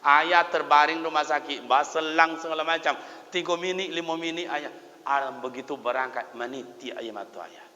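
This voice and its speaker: Male preacher, Minang accent, fairly high and bright, storytelling sermon; muffled hall recording with long reverb. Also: steady tone, moderate pace. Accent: Minangkabau Malay. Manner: folksy storytelling, swings between loud exhortation and hushed tones.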